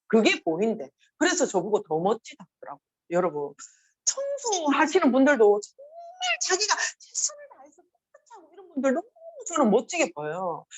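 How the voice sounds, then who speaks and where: A middle-aged woman with a Gyeongsang accent gives a motivational seminar talk, animated and acting out quoted voices. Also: on the high side. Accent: Gyeongsang Korean. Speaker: motivational speaker.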